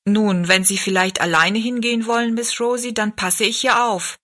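Woman as eager male helper, polite, bright tone. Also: mid-range voice, steady tone, moderate pace, close to an everyday voice. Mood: helpful. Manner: polite and helpful. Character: helpful, polite male fairground servant.

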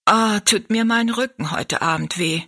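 A woman's voice: medium pitch, a little slow, sharp tone. Woman doing a weary bitter kitchen maid. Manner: tired, blunt, complaining.

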